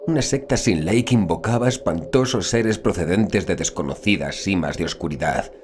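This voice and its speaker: Man acting a deep-voiced, grave policeman. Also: moderate pace, a little mellow, a little hiss or hum, natural voice. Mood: foreboding warning. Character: big Irish policeman, grave, superstitious, warning. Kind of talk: dramatized audiobook acting.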